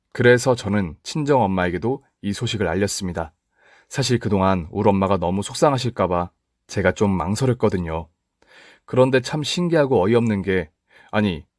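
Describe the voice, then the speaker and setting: A man narrating a first-person radio story in a steady, scripted storytelling manner. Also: fairly low pitch, no room sound, clean studio sound.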